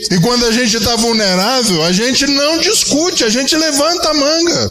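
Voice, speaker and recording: A man talks at a fairly slow pace in a raised, projected voice. His pitch makes very wide swings. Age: 60s. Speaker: spiritist lecturer. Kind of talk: religious lecture. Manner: conversational, addresses audience directly.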